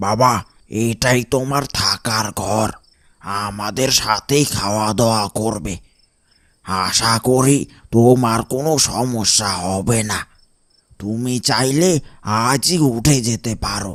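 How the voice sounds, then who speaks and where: Raspy and very slow, a man uses a cartoonish character voice with a medium pitch and ordinary pitch variation. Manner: gentle, paternal.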